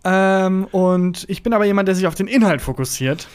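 A man's voice: high voice, moderate pace, clean tone. A man who is a native German speaker, telling anecdotes casually as a podcast host and acting out quoted speech.

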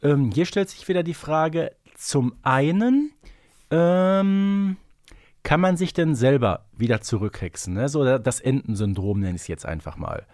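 A man's voice: fairly high pitch, expressive, a little slow, darkish tone, dry recording, studio quality. A man co-hosting a podcast, explaining things in casual analytical chat with emphatic turns and tag questions. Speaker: podcast co-host.

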